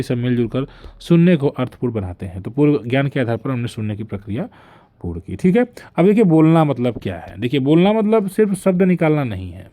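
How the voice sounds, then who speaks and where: Young guy teaching an online class, soft mellow voice, keeps saying "see" and "ok". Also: medium pitch. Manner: explanatory, frequent "dekhiye" and "theek hai" fillers. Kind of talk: online lecture.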